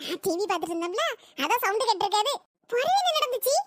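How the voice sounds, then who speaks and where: Brief: woman doing a shrill, fast-talking gossipy village housewife in a cartoon. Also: big pitch swings, fairly bright tone, no room sound, clean studio sound, full character voice. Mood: chatty. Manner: quick, exclaiming village gossip. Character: gossip-loving housewife, idle and fussy. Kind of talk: cartoon comedy voice acting.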